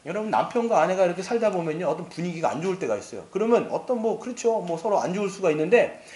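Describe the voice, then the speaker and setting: Male pastor, sermon, very expressive swooping delivery, asks the congregation questions, echoey sanctuary. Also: sits high, racing. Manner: animated, acts out quoted lines, asks the congregation questions. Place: church sanctuary. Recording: echoey church hall.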